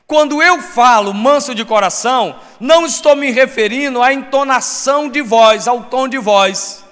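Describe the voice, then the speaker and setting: A man preaching a sermon as pastor, with a Brazilian Portuguese accent, swinging between shouted points and soft asides. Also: very high voice, normal speed. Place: church hall. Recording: long church reverb.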